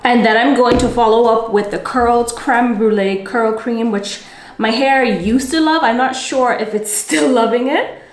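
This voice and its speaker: A woman's voice: on the high side, measured pace. A young woman casually talking through her hair-care routine for a vlog, chatty and often correcting herself mid-sentence. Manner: chatty, self-correcting, talks through each step. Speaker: beauty vlogger. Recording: echoey home room, faint ambient noise.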